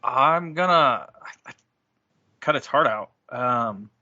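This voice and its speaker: A man playing a tabletop game, talking casually and haltingly as he thinks aloud. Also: medium pitch, animated, bright, forceful tone, muffled recording.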